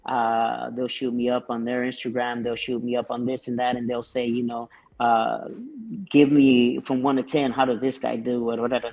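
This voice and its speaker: A man with a gravelly, fry-edged voice talks as a guest on a chat show. He rambles through his answers, restarting sentences and leaning on fillers, at an ordinary pitch for a man. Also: rough recording. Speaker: guest musician. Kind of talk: casual interview chat.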